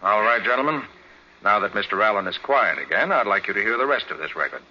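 Confident master detective male actor, forties radio: animated, brisk delivery, dull band-limited sound. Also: fairly low pitch, background noise, natural voice. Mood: commanding. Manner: crisp, commanding. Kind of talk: 1940s radio crime drama acting.

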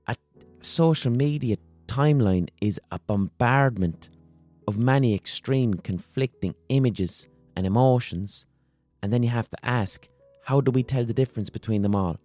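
Hoarse Irish man hosting a podcast. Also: mid-range voice, dark tone, no room sound. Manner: passionate, swearing, rhetorical questions. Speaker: podcast host. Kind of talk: solo podcast monologue.

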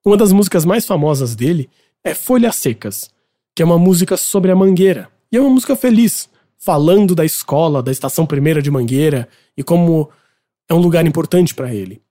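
Chatty Brazilian man with a mellow voice. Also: fairly high pitch, animated, a little fast. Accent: Brazilian Portuguese. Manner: chatty, opinionated, explanatory. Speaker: podcast host presenting a music segment. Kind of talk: casual music commentary.

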